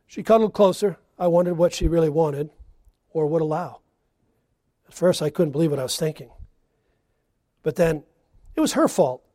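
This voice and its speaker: A man delivers a sermon in a slightly raised voice. He presses hard on key lines, then drops to a near hush. The recording is close and dry, with no room sound. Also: on the high side, moderate pace, long pauses, no room sound. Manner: emphatic preaching with swings from loud to hushed. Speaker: preacher.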